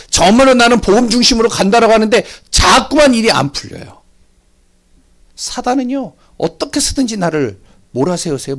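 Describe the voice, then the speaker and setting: Male pastor, sermon, dramatic swings from emphatic to whispered, high animated voice. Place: church sanctuary.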